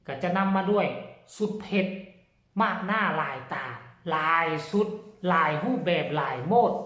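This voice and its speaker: Chatty Isan-accented man, roomy sound. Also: high voice. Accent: Isan Thai. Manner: chatty, often addresses viewers directly. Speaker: channel host. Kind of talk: casual commentary to viewers. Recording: roomy echo.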